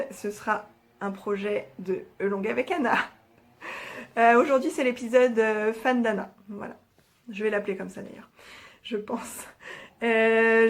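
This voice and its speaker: A young woman hosting a knitting podcast, chatting hesitantly with many fillers as she shows her projects. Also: medium pitch. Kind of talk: casual chat showing knitting projects.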